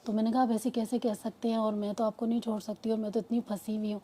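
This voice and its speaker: A woman's voice: fairly high pitch, flat delivery, background noise. A woman, a mother of two, giving an earnest personal testimony that rambles and restarts. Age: adult mother. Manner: earnest, rambling storytelling with many restarts and quoted dialogue.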